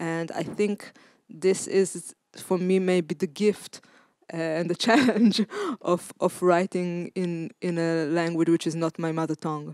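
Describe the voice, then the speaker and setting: The sound is dry and close, with no echo, as a woman speaks fairly slowly in an Israeli accent. Her voice is fairly low, and her intonation is fairly even. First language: Hebrew. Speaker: theatre director and playwright. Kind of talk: panel discussion.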